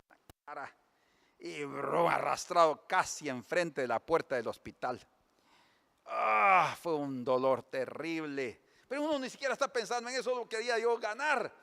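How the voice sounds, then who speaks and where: A man preaching a sermon as pastor, telling lively stories in a church. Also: fairly high pitch, gravelly. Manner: lively storytelling preacher, animated. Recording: long church reverb.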